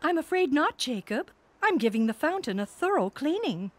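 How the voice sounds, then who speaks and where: A woman's voice: high voice, very animated, normal speed, no room sound. A woman voicing a sweet, trusting, scatterbrained little old lady in a cartoon, genteel and cheerfully oblivious, with a put-on elderly voice. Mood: gently untroubled. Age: older. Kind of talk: cartoon voice acting.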